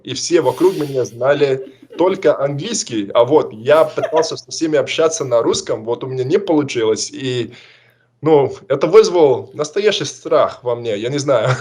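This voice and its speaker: A man's voice: mid-range voice, lively intonation, measured pace, darkish tone, breathy edge. A young man hosting a casual conversation, asking questions and steering the talk.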